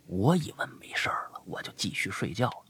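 A young adult male podcast host retells listener stories in a casual, animated way, dropping to a whisper to build suspense. His low voice is a bit fast with a breathy edge, and the recording has no room sound.

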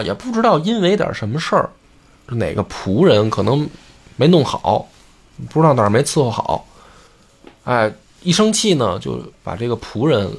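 A man telling a folk tale in a chatty, colloquial way, full of lively asides. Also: medium pitch, breathy edge. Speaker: storyteller. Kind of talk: casual storytelling.

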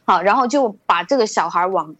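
Woman rambling thru a spooky story, dry close mic, middle pitch. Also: fairly quick, dry recording, highs cut off. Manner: rambling, many restarts and fillers, lively build-up. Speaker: guest storyteller. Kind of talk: casual spoken ghost story.

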